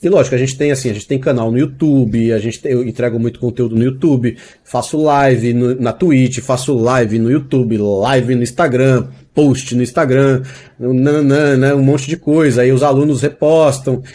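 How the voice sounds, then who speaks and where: A man in an interview talks at length about his courses and how he teaches acting, leaning on everyday examples and frequent checking tags. His voice sits at a mid pitch with a mellow, darker tone. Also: fairly even intonation, moderate pace. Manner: chatty, explains with examples, many "né?" tags. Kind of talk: casual podcast interview.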